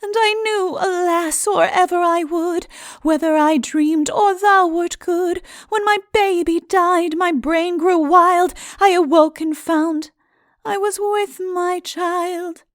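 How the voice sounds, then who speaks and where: A woman's voice: extremely high pitch, steady tone, slow, no room sound, clean studio sound. A woman playing a bereaved ghost lady in a storybook ballad, singing a plaintive, wailing lament. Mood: grieving, plaintive. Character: weeping ghost lady, bereaved young mother, wan and wistful. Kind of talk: slow sung lament.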